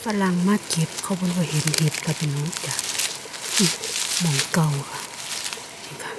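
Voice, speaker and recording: A woman with an Isan accent vlogging in a forest, exclaiming excitedly and calling out to her viewers as she goes. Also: low voice, normal speed, very noisy. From Northeast Thailand. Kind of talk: casual foraging vlog. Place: forest outdoors.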